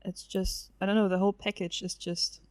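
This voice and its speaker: A woman whose first language is German talks casually as a guest on a podcast. She laughs a lot and pauses with ums and uhs between her thoughts. Her voice sits at a middle pitch and sounds very dry and close to the mic. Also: flat delivery, darkish tone, no room sound. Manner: chatty, laughs often, hesitant fillers. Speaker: featured guest.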